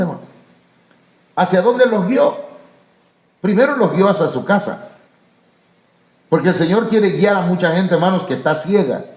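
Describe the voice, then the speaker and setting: A man with a Mexican Spanish accent preaching a sermon as pastor, pausing on fillers and rising to emphatic high calls. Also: a little mellow. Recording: echoey church room.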